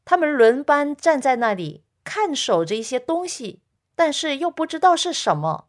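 A woman hosting a Christian radio program, telling a story softly and earnestly and speaking directly to her listeners. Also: high voice, sing-song, normal speed.

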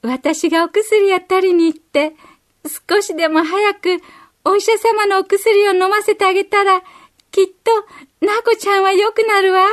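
A woman voicing a brave four-year-old girl in a storybook reading, with a high childlike voice and an earnest way of calling out. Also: fairly even intonation, a little slow. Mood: determined.

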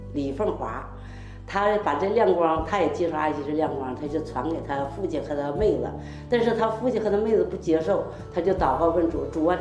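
A woman's voice: low-pitched, warm tone. An older woman gives a heartfelt, rambling personal testimony full of quoted dialogue. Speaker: church member giving testimony. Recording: echoey room, faint music behind.

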